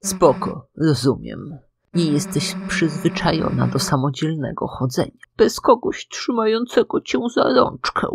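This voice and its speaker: A woman's voice: sits low, sing-song, unhurried, vocal fry, background noise, exaggerated voice. A woman voicing a surly teenage monster girl from a video game, sarcastic, taunting and impatient. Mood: mocking, impatient. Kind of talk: dramatized video game dialogue reading.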